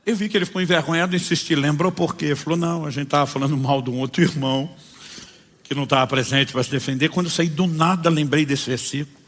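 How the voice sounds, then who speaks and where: A man's voice: a little high, fast, long reverb tail. A Brazilian man preaching as a pastor, telling stories and acting out the dialogues in them. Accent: Brazilian Portuguese. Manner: animated storyteller acting out dialogues. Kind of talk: sermon with storytelling.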